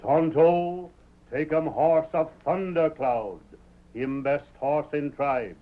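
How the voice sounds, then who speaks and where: An actor playing a commanding tribal chief in a 1930s radio western, in blunt broken English. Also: male voice, a little high, slow pace. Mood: commanding, generous. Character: commanding, generous Native American tribal chief. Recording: muffled 1930s radio recording.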